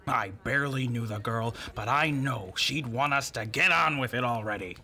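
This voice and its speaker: A man playing a folksy, tactless, cocksure villager in an audio drama, with a gravelly voice and blunt manner. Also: mid-range voice, moderate pace, bright, forceful tone. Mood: hearty, cocksure.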